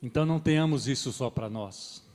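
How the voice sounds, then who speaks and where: Pastor preaching in a reverberant church. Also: male voice, mid-range voice, brisk. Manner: rises and swells with emphasis, then drops soft. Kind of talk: sermon. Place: church hall. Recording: long reverb of a church hall.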